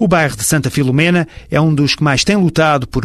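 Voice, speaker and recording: At a moderate pace, a man talks in an unremarkable speaking voice with ordinary pitch variation. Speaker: radio magazine host. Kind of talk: scripted narration. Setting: studio. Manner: formal.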